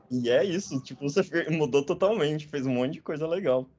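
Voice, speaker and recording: A man's voice: a little high, normal speed, darkish tone, dull audio. A man in his twenties from northern Paraná, hosting a podcast in casual, jokey chat with frequent tag questions. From northern Paraná, Brazil. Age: 20s. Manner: chatty, jokey, with frequent "né?" tags. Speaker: podcast host.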